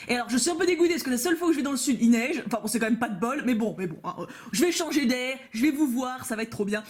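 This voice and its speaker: A young woman vlogging as she opens trading card packs, bubbly and playful, full of exclamations. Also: high voice. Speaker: vlogger opening trading cards. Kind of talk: chatty card-opening vlog.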